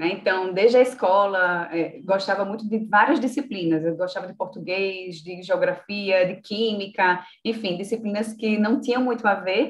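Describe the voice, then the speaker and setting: A woman of medium pitch talks at a moderate pace with a northeastern Brazilian accent. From Brazil, Northeast (Natal). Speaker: professor, research group leader. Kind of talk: academic presentation.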